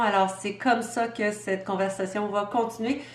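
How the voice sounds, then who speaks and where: In an English accent, a woman speaks with fairly even intonation, her voice carrying audible room echo over noticeable background noise. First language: English (speaking French). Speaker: podcast host. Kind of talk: podcast interview. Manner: mixes French and English.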